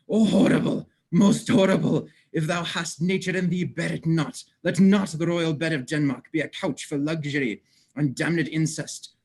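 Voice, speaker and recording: A wronged, commanding royal ghost played by a man declaims Shakespearean verse with slow, anguished weight. The voice is gravelly and rough-edged, solemn throughout. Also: a little high, darkish tone. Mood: horrified. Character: murdered king's ghost, solemn, wronged, commanding older male. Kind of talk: Shakespearean verse in a livestreamed dramatic reading. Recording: remote livestream audio.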